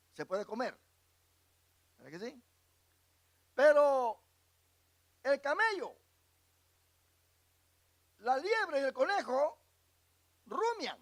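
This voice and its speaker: Pastor guy teaching bible class, pretty high voice, slow and unhurried, keeps asking the crowd to finish his sentences. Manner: asks the congregation questions and lets them fill in words; reads scripture verses aloud and explains them.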